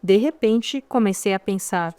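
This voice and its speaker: Reading a first-person memoir audiobook, a woman with a Brazilian Portuguese accent speaks at medium pitch, a little slowly, in a clear, resonant, darkish voice. She narrates like she's telling a story over coffee, slipping in wry remarks to the listener, and the recording is dry.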